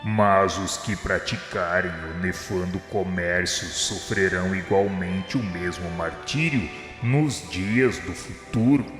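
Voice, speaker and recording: An actor playing Jesus in a radio drama as a grave, merciful divine master, speaking in measured, formal oratory. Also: male voice, low voice, a bit bright. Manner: measured, solemn, preaching declamation. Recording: echoey reverberant hall sound, music underneath. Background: music.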